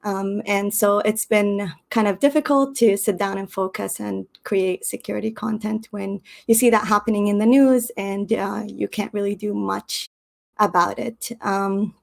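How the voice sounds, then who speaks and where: A woman hosting her channel, talking casually and haltingly with many ums and uhs. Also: medium pitch, steady tone, gravelly. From Canada. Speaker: channel host. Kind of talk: casual explanatory talk. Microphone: stream setup.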